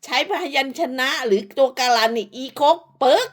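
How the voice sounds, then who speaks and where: Speaking at a moderate pace in a high pitch, a woman crudely scolds and insults rival creators as an online commentator. Her profane rant keeps circling back to the same short tags.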